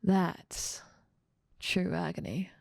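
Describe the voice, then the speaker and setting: A woman's voice: fairly low pitch, steady tone, drawn-out words, gravelly, dry recording, clean studio sound, full character voice. A woman playing a dominant, teasing female demon ruler of hell in an ASMR roleplay, with playful menace and amused condescension. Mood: darkly relishing. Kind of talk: ASMR roleplay audio drama.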